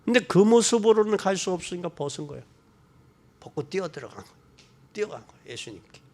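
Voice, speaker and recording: A man's voice: high-pitched, very animated, quick pace, darkish tone. A man preaching a sermon, asking the congregation questions and answering them himself, raising his voice when quoting scripture. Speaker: pastor.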